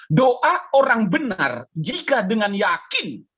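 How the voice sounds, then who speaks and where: A man's voice: high voice, big pitch swings, slow pace, a bit bright, husky, muffled recording. A man in his fifties, a pastor, giving a chatty, conversational sermon over a video call and drawing amens from his listeners. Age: 50s. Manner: conversational, chatty preaching with audience call-and-response.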